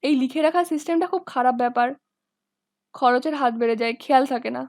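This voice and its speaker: A woman voicing a calm, plain-spoken male party worker in a storybook. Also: sits high, brisk, no room sound, clean studio sound.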